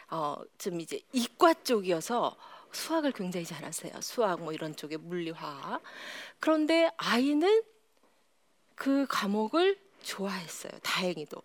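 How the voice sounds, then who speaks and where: A woman giving a lively psychology lecture to a live audience, sometimes dropping to a whisper. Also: mid-range voice. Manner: animated, often drops to a whisper.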